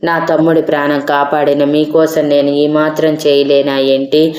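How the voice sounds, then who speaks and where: Woman doing a stubborn, devoted young heroine in an audio story, firm and insistent, low and mellow, in a roomy space. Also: level tone, moderate pace, lightly acted. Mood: determined. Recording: roomy echo.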